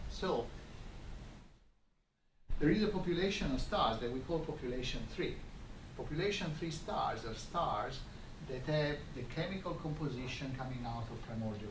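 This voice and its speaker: Echoey, distant male academic lecturer. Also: medium pitch. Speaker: astrophysicist giving a colloquium talk. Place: lecture room, recorded from a distance. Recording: echoey, distant microphone, clearly noisy room.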